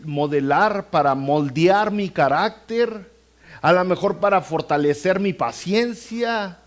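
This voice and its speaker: A man preaching a sermon as pastor in a church. He talks to the congregation directly and acts out scenes with animated voices. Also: high voice. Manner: conversational, addresses the congregation directly. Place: church sanctuary.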